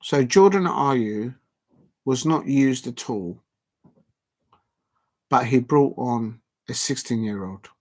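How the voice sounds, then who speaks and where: A man's voice: medium pitch, expressive, takes it slowly, pauses often. A man, rambling through a late-night football watch-along, thanking his chat with lots of ums and restarts. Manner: rambling, filler-heavy, reading out chat shout-outs. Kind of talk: casual late-night live stream wrap-up. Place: at home at night with a TV on.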